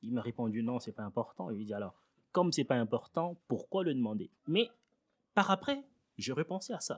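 A man's voice swings very widely in pitch on a very clean recording with a silent background and a dry, close sound with no echo. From Congo, then Quebec from age 12. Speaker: guest speaker on racism. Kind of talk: interview.

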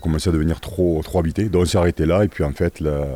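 Very deep, low male speech, fairly quick and with fairly even intonation. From France. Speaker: adventure tourism business owner. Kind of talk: interview.

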